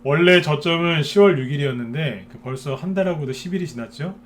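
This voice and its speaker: A man's voice: a little high, fairly quick, slight background noise. A man giving a live stock market lecture to viewers, talking in a chatty way and often checking in with them through short tag questions.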